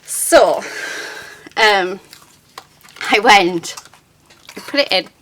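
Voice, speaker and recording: A woman's voice: mid-range voice, expressive, drawn-out words, fairly bright tone, a little hiss or hum. A woman hosting a casual, chatty craft demonstration at a desk, with an enthusiastic, chirpy manner. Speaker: crafting channel host.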